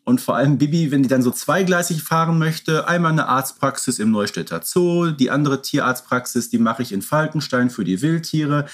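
A man's voice: mid-range voice, normal speed, hardly any pauses. A man co-hosting a podcast, talking casually and colloquially, often adding little tag questions. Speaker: podcast co-host.

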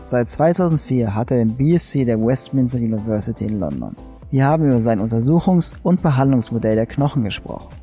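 A young adult man with a mellow, dark-toned voice hosts a podcast, calm and measured. He reads his introduction and then asks his guest questions, with faint music behind him. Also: mid-range voice. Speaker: podcast host and osteopath. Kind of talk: read podcast intro and interviewing.

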